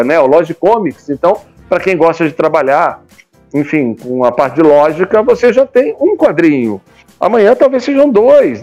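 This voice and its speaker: A Brazilian man in his fifties speaks in a somewhat high register. He talks casually, in a colloquial way, checking in with the listener as he goes. The recording is slightly dull, with music playing behind him. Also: darkish tone. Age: 50s. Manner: talkative, colloquial, often seeks agreement with tag questions. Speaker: guest, comics publisher. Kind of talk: casual conversational interview talk.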